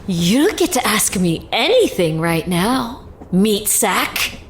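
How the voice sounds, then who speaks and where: An actress playing a brash, mocking, menacing keeper of captives in an audio drama, with a drawling, taunting delivery. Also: female voice, medium pitch, very animated, slow pace, noisy background. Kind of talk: audio drama villain acting.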